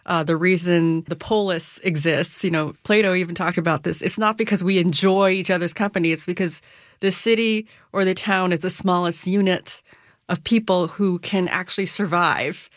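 Author lady being interviewed, lowish voice, dead dry mic, chatty and articulate, little laughs. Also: steady tone, normal speed, no echo. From United States. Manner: articulate, laughs lightly while explaining. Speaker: author and guest. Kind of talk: conversational interview answers.

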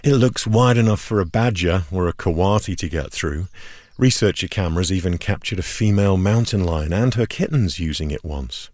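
A man reporting outdoors, narrating a documentary story in a calm, measured way. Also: sits low, dry recording. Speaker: radio reporter. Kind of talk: scripted documentary narration with field interviews. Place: outdoors at a border wall, in the hot sun.

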